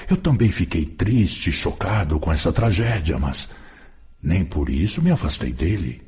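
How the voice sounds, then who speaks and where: Male actor as troubled Brazilian ghost, possessive and hurt, very gravel-husky, swinging intonation, for radio drama. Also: sits low, expressive, a little slow, darkish tone, heavily acted. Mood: hurt, puzzled. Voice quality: husky, rough. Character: troubled male spirit, possessive friend, wounded and resentful. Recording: dull lo-fi audio with music.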